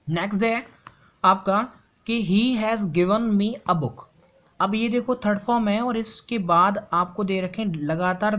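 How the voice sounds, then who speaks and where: A woman's voice: mid-range voice, muffled recording. A woman English teacher giving a whiteboard grammar lesson, explaining each step and asking the class questions.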